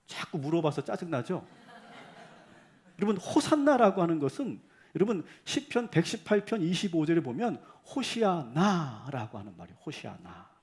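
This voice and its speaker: A man, a pastor, preaching a sermon in a church and firing rhetorical questions at the congregation, sometimes rising to loud, emphatic cries. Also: fairly high pitch, big pitch swings, normal speed.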